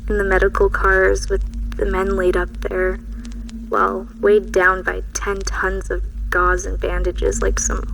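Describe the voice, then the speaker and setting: A woman playing a haunted train passenger in an audio drama, recounting her dread in a measured, brooding, literary way with lingering pauses. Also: mid-range voice, creaky, noisy background. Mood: somber, haunted. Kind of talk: scripted audio drama monologue. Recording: music behind the voice.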